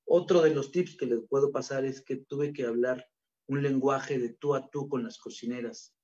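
Animated Mexican man giving a talk. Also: mid-range voice, normal speed. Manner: colloquial, animated, acts out quoted voices. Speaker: conference speaker, gastronomy researcher. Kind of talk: informal conference talk. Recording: dull lo-fi recording.

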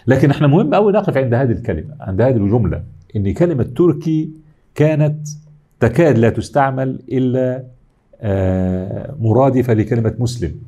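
A man's voice: medium pitch, expressive, a little fast, mellow. A middle-aged man with an Egyptian accent giving an academic lecture, explaining step by step and answering his own questions. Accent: Egyptian Arabic.

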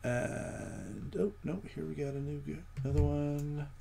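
A man with a gravelly, creaky voice talks slowly through live code. He thinks aloud, breaks off into ums and picks his words as he goes. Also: fairly high pitch, dark tone, slight background noise. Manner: thinking aloud, many ums, slow halting speech. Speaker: programming livestream host. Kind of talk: live coding with commentary.

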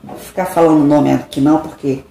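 A woman's voice: deep voice, steady tone, fairly quick, gravelly. A middle-aged woman, chatting casually and confidingly to her viewers from her home kitchen, with dramatic sighs. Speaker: vlogger. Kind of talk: casual chat. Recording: echoey kitchen with noise.

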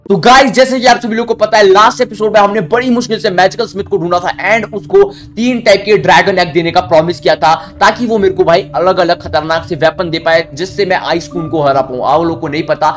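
An excitable young man, commentating on his Minecraft gameplay in a fairly high voice. His pitch jumps suddenly when something surprises him. Game music plays clearly behind him. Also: brisk, few pauses. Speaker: gaming YouTuber.

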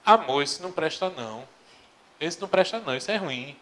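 A male teacher acting out a calm wife who is patiently correcting her husband while shopping. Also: on the high side, a little fast, echoey room. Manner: soft, patient, matter-of-fact.

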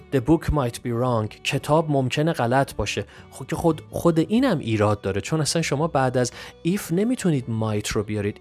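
A man teaching English grammar through an exam walkthrough. He is methodical and reads the English examples out slowly and clearly. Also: mid-range voice, a little mellow.

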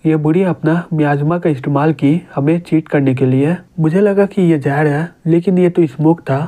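A man's voice: fairly high pitch, normal speed, close to an everyday voice. A man reading as an arrogant young rival. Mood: taunting. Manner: plain, flat storybook reading.

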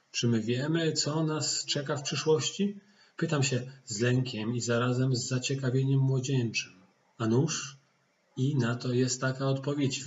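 A man in his thirties from Poland reading a diary aloud over a webcam at home. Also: medium pitch. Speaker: diary reader. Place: indoor room at home. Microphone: computer webcam, video call setup. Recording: roomy, dull, noisy webcam sound.

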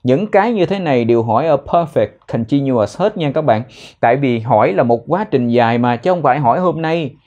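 A young man teaching spoken English in a casual way, explaining phrases and repeating words slowly so learners can copy them. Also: medium pitch, lively intonation, a little mellow, muffled recording.

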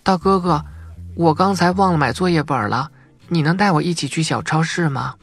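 A man's voice: a little high, normal speed, gravelly, soft background music, pitched above the performer's own voice. A man voicing a polite ten-year-old girl who talks like a little grown-up in an audiobook. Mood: polite, asking.

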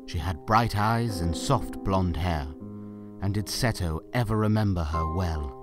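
A man's voice: deep voice, a little slow, loud music behind the voice. A man narrating a scripted story for an audio drama.

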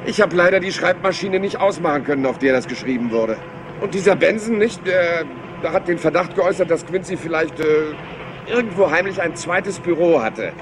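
An actor playing a rumpled, polite police inspector in a crime radio play, hesitant and rambling as if scatterbrained. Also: male voice, a little high, animated, brisk, noisy background, natural voice. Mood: musing, chatty. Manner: hesitant, rambling, courteous, mock-modest.

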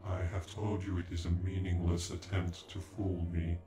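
A proud, indignant android, acted by a man speaks in a very low voice with stiff formality. The sci-fi ASMR roleplay has a strong echo around the voice and music underneath. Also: little pitch movement, moderate pace, lightly acted. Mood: stern, demanding. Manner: stilted, formal, stuttering on glitched words. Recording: echoey, with background music.

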